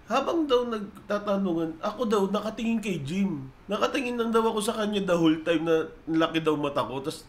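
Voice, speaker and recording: A man's voice: sits high, brisk, few pauses. A young adult man hosting a podcast, telling a story in a casual way and acting out the voices he quotes. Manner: animated, acts out quoted voices. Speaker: podcast host.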